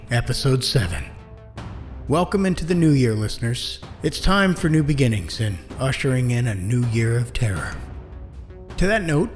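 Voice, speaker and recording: Male host for scripted podcast intro: mid-range voice, very varied melody, soft music underneath. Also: mid-range voice. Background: faint music.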